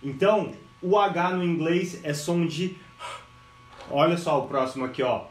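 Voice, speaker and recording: A man with a Brazilian accent teaching English pronunciation on a live stream, energetic, switching between English and Portuguese, drilling words slowly and exaggerating sounds. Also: on the high side, reverberant. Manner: energetic, mixes English and Portuguese, greets viewers.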